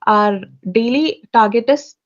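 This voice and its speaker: A woman's voice: fairly high pitch, unhurried. Woman leading a video-call training, hesitant. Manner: hesitant, many fillers, polite. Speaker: team lead running intern onboarding. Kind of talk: online meeting, training briefing. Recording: dull lo-fi call audio.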